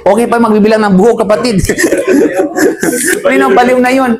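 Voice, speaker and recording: A woman giving a Quran commentary lesson to a live group, lively and chatty, who chants verses quickly and jokes with her listeners. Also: a loud crowd. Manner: lively, chatty teaching voice that swings up high for emphasis; chants Arabic verses quickly between explanations. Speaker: Islamic teacher.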